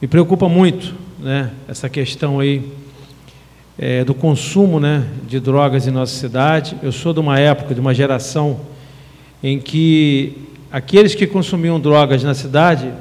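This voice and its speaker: A man's voice: medium pitch, normal speed, darkish tone, big-room sound. A man in his fifties, a city councilman giving a formal speech with many fillers and an earnest tone. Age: 50s. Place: council chamber.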